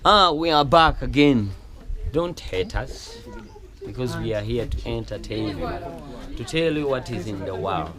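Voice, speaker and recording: A man's voice: mid-range voice, sing-song, a little slow. A man with a Ugandan accent hosting a casual interview on a film set, hesitant with many fillers and restarts. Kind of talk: casual interview, switching to Luganda commentary. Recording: crowd chatter behind.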